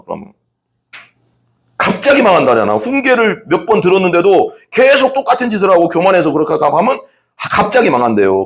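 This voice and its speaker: A man preaching a sermon, quizzing the congregation and acting out proud people in quick asides. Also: a little high. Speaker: pastor.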